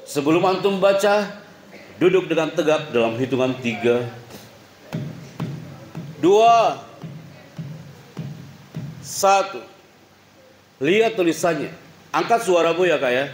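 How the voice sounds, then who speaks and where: A middle-aged man giving a lively motivational talk to boarding-school students, acting out quotes and swinging between loud and soft. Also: fairly high pitch, slow, pauses often, faint music behind. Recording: echoey hall with faint ambience.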